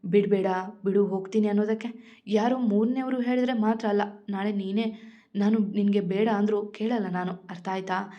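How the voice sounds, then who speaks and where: A woman's voice: mid-range voice, little pitch movement, normal speed, highs cut off, natural voice. A woman voicing a hot-tempered, possessive young man who scolds in curt bursts, reading him in a storybook narration. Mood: angry.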